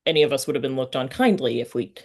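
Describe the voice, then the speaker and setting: A woman's voice: rumbling low, lively intonation, quick pace, darkish tone. A woman interviewer in casual, personal conversation, earnest and often searching for her words. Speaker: podcast interviewer.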